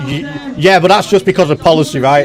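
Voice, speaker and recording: The speaker has a Mancunian accent and an animated tone, talking at a moderate pace. There is music in the background. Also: man. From northern England, Manchester. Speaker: livestreamer, political commentator. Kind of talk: live stream commentary. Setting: live stream. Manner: casual, animated.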